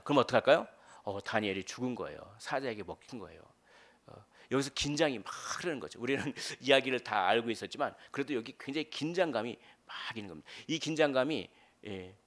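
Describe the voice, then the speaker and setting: A man preaching a midweek sermon as pastor, in a conversational way with fillers, rising to loud dramatic quotations. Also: mid-range voice.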